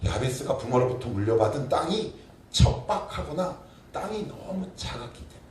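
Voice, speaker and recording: Brief: middle-aged man, pastor, lively up-and-down sermon delivery, picked up from a distance in a reverberant sanctuary. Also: medium pitch, moderate pace. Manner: animated, asks the congregation questions, shouts acted prayers. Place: church sanctuary. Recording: echoey church room, from far off, faint noise.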